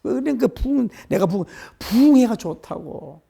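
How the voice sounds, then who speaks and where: A middle-aged man preaches a sermon in a high, gravelly voice. He presses his congregation with repeated rhetorical questions and emphatic turns. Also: expressive, moderate pace, warm tone. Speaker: pastor.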